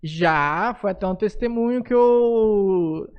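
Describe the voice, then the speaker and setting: A man's voice: high voice, slow pace, smooth, dull audio. Upbeat Brazilian man hosting a podcast. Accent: Brazilian Portuguese. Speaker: podcast host. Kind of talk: casual podcast interview.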